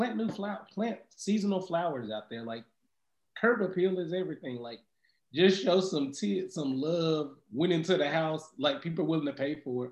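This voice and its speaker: With an American accent, a man talks at a moderate pace, high in pitch and lively in intonation. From Tennessee (Nashville), via Florida. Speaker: real estate agent. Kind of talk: casual interview.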